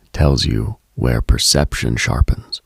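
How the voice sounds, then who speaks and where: A man hosting a late-night radio show, giving a slow, contemplative monologue with halting pauses in a husky, gravelly voice, close on the mic. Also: extremely low pitch, no echo. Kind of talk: reflective late-night spiritual monologue, ASMR-like.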